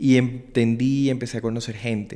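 Speaking at a moderate pace with fairly even intonation, this man has an unremarkable speaking voice set at a medium pitch. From Colombian Caribbean coast, small town. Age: 20s. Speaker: advertising agency owner and writer. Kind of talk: personal testimony in interview.

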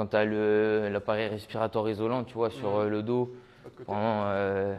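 At a very slow pace, a man speaks with a monotone, flat intonation. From Bordeaux, southwest France. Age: 20s. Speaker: firefighter and CrossFit athlete. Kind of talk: casual interview. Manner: halting, many fillers.

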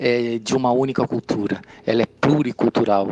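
A man's medium-pitched voice with fairly even intonation, dry and close with no echo, over noticeable background noise. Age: 50s. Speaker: author and book editor. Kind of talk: interview. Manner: halting.

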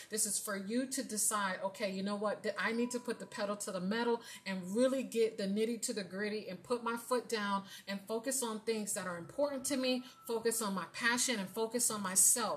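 A woman with a fairly high pitch and an animated tone at a fairly quick pace, against noticeable background noise. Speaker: podcast host and tarot card reader. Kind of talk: spiritual card reading monologue.

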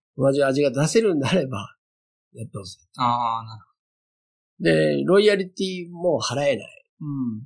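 Here a man with a fairly high pitch makes very wide pitch swings and big swings in loudness. He leaves long, frequent pauses. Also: moderate pace. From Tokyo (Ueno, Taito ward). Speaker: galette cafe owner. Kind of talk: interview, casual conversation.

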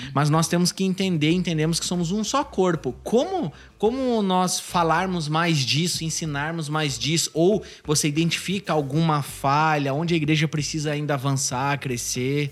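Over a very clean recording with a silent background, a man with an ordinary speaking voice talks at a moderate pace, fairly high in pitch with ordinary pitch variation. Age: 30s. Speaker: pastor and podcast host. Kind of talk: casual chat. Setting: studio.

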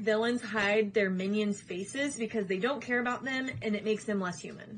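Noticeable background noise runs under this recording. A woman talks at a moderate pace with a fairly high pitch. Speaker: podcast co-host, Marvel newcomer. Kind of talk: casual chat.

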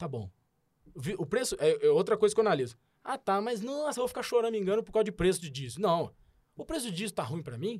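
A man with a high pitch makes very wide pitch swings in a very clean recording with a silent background. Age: 30s. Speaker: business owner. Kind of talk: interview.

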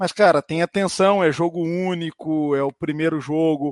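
There is an unremarkable speaking voice from a man with a fairly high pitch. He talks at a moderate pace over a quiet background. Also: dry, close sound with no echo. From Limeira, São Paulo state, Brazil. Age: 20s. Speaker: insurance broker, football fan guest. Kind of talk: casual chat.

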